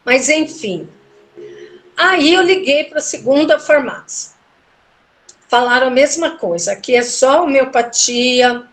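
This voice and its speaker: Lady recounting a story, pretty high voice, lively, acts out the quotes. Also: takes it slowly. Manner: animated, acts out quoted dialogue with big pitch jumps. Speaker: interview guest, tarot reader. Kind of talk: emotional personal storytelling.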